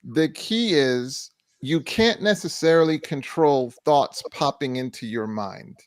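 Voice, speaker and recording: Man, talk show co-host, higher-pitched, deliberate, repeats his points. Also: animated, no echo. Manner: measured, repeats key phrases for emphasis. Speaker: co-host, doctor answering viewer questions. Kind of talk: faith-based mental health talk show.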